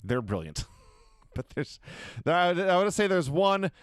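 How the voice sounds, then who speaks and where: A man co-hosting a podcast, telling a wrestling match blow by blow in a lively, swearing, storytelling way. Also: high voice, moderate pace, clean tone, no room sound. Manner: animated storyteller, swearing, chuckling. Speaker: podcast co-host. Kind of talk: casual wrestling recap chat.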